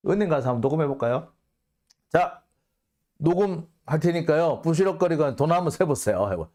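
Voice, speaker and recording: A man's voice: fairly high pitch, expressive, a little fast, darkish tone. A male host giving casual commentary on a news report, sarcastic and indignant, firing off mocking rhetorical questions.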